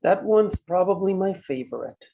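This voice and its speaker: A man acting a menacing mine boss in a drama table read, speaking in measured, condescending threats. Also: sits high, animated, gravelly, warm tone, muffled recording. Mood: smug, taunting. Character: menacing, controlling male mine boss, coolly cruel.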